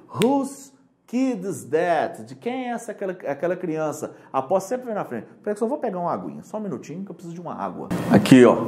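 A man with a Brazilian Portuguese accent teaching English for an exam in a casual, joking way. He reads English examples slowly and translates them. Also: high-pitched, mellow. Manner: casual, joking, keeps checking "entendeu?". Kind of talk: online lesson.

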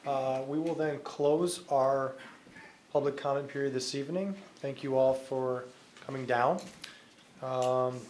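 A middle-aged American man presides over a formal council session. His voice is mid-pitched and procedural, picked up in a chamber with faint background noise. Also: steady tone, a little slow, darkish tone. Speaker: council president chairing a meeting. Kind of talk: formal meeting facilitation. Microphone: desk microphone. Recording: background noise in meeting room.

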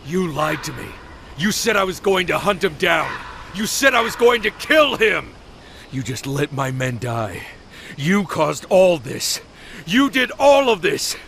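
A man playing a bitter, hardened soldier in a game cutscene, gravelly and brooding. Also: fairly high pitch, big pitch swings, a little slow, fairly bright tone, a little hiss or hum, exaggerated voice. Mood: bitter, accusing. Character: bitter, hardened soldier, self-declared villain. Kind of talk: dramatic game cutscene acting.

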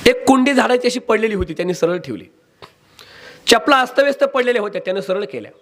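A male devotional preacher delivers a storytelling sermon with dramatic, sing-song emphasis. His voice sits high and rises sharply on key words. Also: very animated, fast talker, fairly bright tone, slight background noise.

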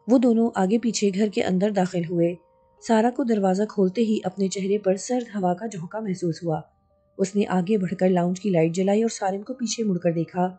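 A woman narrating a horror audiobook in a measured, steady storytelling manner. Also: mid-range voice, husky. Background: faint background music.

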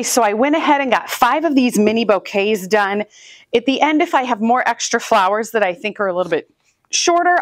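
A chatty, upbeat woman from Northwest Iowa, a flower farmer and channel host, narrates flower arranging in a mid-range voice. It's casual how-to talk as she handles the flowers in an indoor room with flower buckets, recorded dry by a far camera, hands-free.

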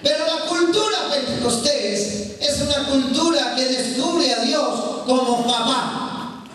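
A man's voice: very high voice, takes it slowly, fairly bright tone. A man with a Colombian accent, a priest giving an emphatic, storytelling charismatic sermon in a large hall with an audience. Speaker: Catholic priest, preacher. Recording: echoey hall from far off, crowd.

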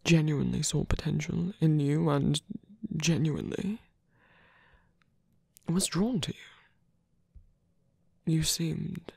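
Man acting a slow, husky, tender villain. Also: a little high, no room sound, clean studio sound, heavily acted. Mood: confessional, hesitant. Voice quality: breathy, husky, often dropping to a whisper. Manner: hesitant, halting, soft-spoken. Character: male villain, tender, teasing, smitten with rescuer. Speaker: voice actor. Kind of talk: intimate ASMR roleplay acting.

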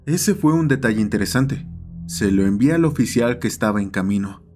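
A man's voice: mid-range voice, lively intonation, brisk. Male horror narrator over music. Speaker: narrator, playing an emergency dispatcher. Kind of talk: scripted first-person horror narration. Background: dark ambient music.

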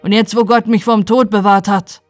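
A woman voicing a remorseful poor man and former thief who speaks haltingly and earnestly. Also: medium pitch, fairly even intonation, no echo, faint music behind, natural voice.

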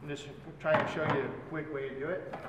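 Briskly and in a fairly high voice, a man in his forties leads a cooking class, calmly explaining every step while his hands stay busy. He is indoors in a big hotel function room, heard through a far camera, so he sounds remote against echo and loud background noise.

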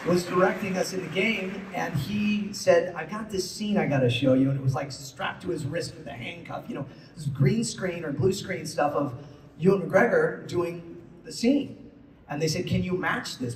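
A man telling playful stories from a convention stage, slipping into character voices now and then. His voice sits a little higher than most men's. It is caught from far off through a big echoing hall with some noise. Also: moderate pace. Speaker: voice actor panelist. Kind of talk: anecdotes on a stage panel. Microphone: handheld mic, filmed from the audience over the PA.

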